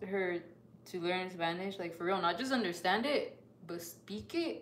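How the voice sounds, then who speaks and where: A woman talks at a moderate pace, her pitch medium. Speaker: vlogger. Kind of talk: casual chat.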